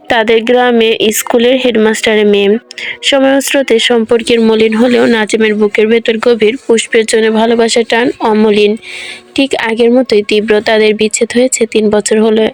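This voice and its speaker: A woman reading a romantic story aloud in a measured, dramatic way. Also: on the high side. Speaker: story narrator. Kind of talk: scripted audiobook narration. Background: soft background music.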